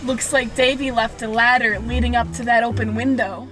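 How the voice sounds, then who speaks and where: A woman's voice: a little high, fairly even intonation, normal speed, natural voice. A young woman playing a sensible, street-smart detective's partner in an amateur radio play. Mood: wary, exasperated. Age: teens or young adult. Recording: amateur recording with music underneath.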